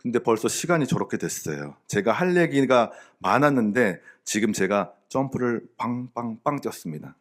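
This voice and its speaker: A middle-aged man, a pastor, gives a sermon and shares a personal testimony in a candid, conversational way, with fillers and soft laughs. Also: mid-range voice.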